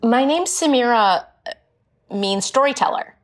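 A woman's voice: fairly high pitch, expressive, a little slow. A woman in her forties, born in India and raised in Illinois, talking frankly and chattily as an author guest. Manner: chatty, frank and explanatory, with light laughs. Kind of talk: casual interview conversation.

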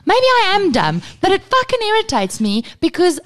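A woman's voice: very high-pitched, huge pitch swings, moderate pace. A woman in her thirties with a South African accent, co-hosting a podcast in casual chat, exasperated and sweary, laughing a lot. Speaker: podcast co-host.

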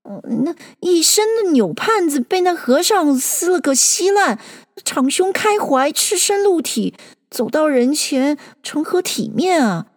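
A woman voicing a prim, bookish young male gentleman who talks in slow, pedantic, old-fashioned phrases. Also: high-pitched, big pitch swings, big-room sound, voice pushed up. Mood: fretful. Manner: pedantic, drawn-out archaic speech.

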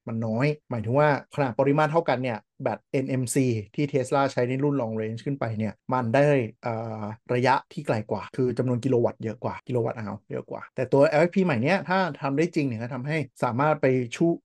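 Fast-talking man hosting a tech chat. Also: mid-range voice, a little mellow. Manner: rapid, loose and joking, with frequent fillers. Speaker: podcast host.

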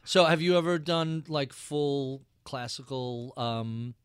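A man's voice: mid-range voice, takes it slowly. A man in his fifties hosting an interview, asking questions in a curious, chatty way and often restarting his sentences. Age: 50s. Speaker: podcast host. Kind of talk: interview conversation.

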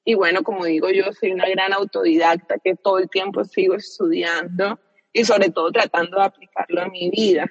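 A woman in her thirties from Colombia speaks with a Caribbean coast accent. She talks reflectively and casually, often pausing with fillers and restarting her sentences. Her voice sits mid-range, close and dry, yet with a faint long reverb trailing behind it. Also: mid-range voice, steady tone, slightly rough, lo-fi sound. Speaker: guest. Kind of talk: casual interview conversation.

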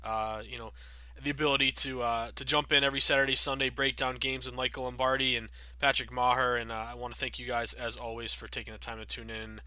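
A man in his thirties hosting a sports betting podcast, chatty and upbeat with many fillers, sounding a bit raspy from a cold. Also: medium pitch, level tone, fast talker, sharp tone, no echo. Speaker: podcast host.

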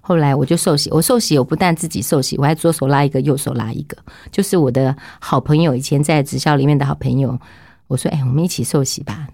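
A middle-aged woman, speaking in a low, mellow voice as she tells her story in an interview. She talks in a lively way and often slips into the voices of the people she quotes. The sound is dry and close. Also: fast talker, dry recording. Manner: lively, acts out quoted speech. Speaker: interview guest giving testimony. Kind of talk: animated storytelling.

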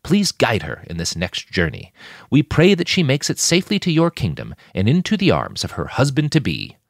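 A man's voice: medium pitch, huge pitch swings, moderate pace, no echo, clean studio sound, pitched above the performer's own voice. A man voicing a stern, zealous middle-aged preacher who leads a smuggling ring, speaking in a grandiose sermonizing way. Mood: praying.

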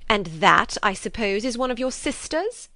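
A woman voicing a haughty, imperious older aristocratic lady who speaks stiffly and slowly. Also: a little high, lively intonation, pushed and bright, dry recording, pitched above the performer's own voice. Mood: stiff, condescending. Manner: stiff, slow and commanding.

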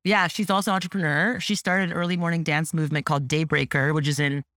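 This low-pitched woman talks at a quick pace, guesting on a laid-back podcast as an entrepreneur. She's Canadian with French as her first language, and she's lively and chatty, sprinkling in plenty of "like" and "you know." The studio-quality audio carries no room sound.

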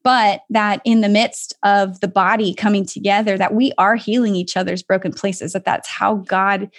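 A woman's voice: medium pitch, fairly even intonation, normal speed. A woman hosting a faith-based interview, reflective and encouraging as she draws out her guest. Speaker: podcast host.

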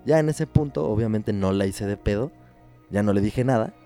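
A man's voice: lowish voice, normal speed, dark tone, faint music behind. A man with a Mexican accent, telling a story in a casual chat, swearing a lot and sounding exasperated. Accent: Mexican Spanish.

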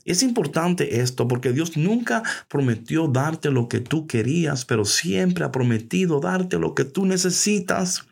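A man hosting a casual devotional podcast, lively and playful, dropping English phrases into his talk. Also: a little high, unhurried, creaky, hardly any pauses, breathy edge. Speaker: podcast host.

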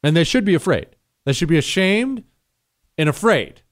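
A man hosting a call-in radio talk show, sarcastic and combative, mocking in a high voice then dropping low. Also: big pitch swings, moderate pace, no echo, studio quality.

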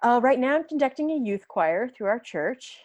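A woman in her thirties, a podcast guest chatting casually, laughing often and quick to get animated. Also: fairly high pitch, no echo. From United States. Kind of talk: casual interview chat.

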